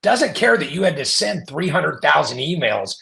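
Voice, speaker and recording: A man with a very gravelly, fry-heavy voice, talking casually as a podcast guest. He tells stories with energy and acts out what people said. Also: fairly high pitch, normal speed. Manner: animated storyteller, acts out quoted voices. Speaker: podcast guest, marketing company founder.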